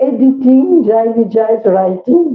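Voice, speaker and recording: At a fairly high pitch, a woman is talking. Her pace is very slow. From France. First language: French. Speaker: devotee speaker. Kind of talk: personal reminiscence talk.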